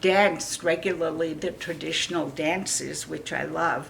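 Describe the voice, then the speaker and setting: A woman speaks with a Maine accent over noticeable background noise. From Passamaquoddy community, Maine (US), near New Brunswick border. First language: Passamaquoddy. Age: 70s. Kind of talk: personal testimony. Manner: halting.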